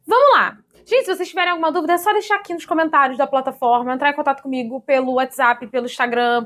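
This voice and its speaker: A Brazilian woman teaching an online grammar lesson in a lively, chatty way, often checking in with her students. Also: high voice. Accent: Brazilian Portuguese. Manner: lively, chatty, addresses students as "gente", ends points with "tá?".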